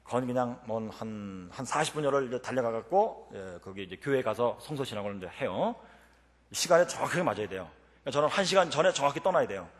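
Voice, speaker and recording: Fast, fervent preacher in an echoey hall. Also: male voice, medium pitch. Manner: animated, switches between fervent shouted prayer and chatty anecdote. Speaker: preacher and professor. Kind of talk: revival-meeting sermon with storytelling. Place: church sanctuary.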